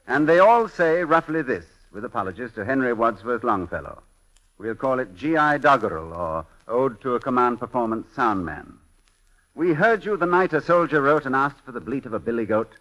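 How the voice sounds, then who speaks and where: A man hosting a 1940s radio show, reading letters in a brisk, jokey announcer's delivery. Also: mid-range voice, a bit bright, rough recording.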